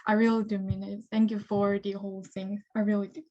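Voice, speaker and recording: A woman's voice: medium pitch, flat delivery, fairly quick. A woman from South Korea with a Korean accent, speaking earnestly and effusively as she searches for English words. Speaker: audience member. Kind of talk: heartfelt spontaneous comments. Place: online video call. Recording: dull, lo-fi video-call audio.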